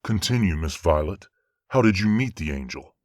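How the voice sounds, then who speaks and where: A man playing a stern but fair archangel judge in a fantasy audio drama, with formal, measured authority. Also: low-pitched, animated, a little mellow, no echo, clean studio sound. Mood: stern questioning. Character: stern, fair male archangel presiding over a trial.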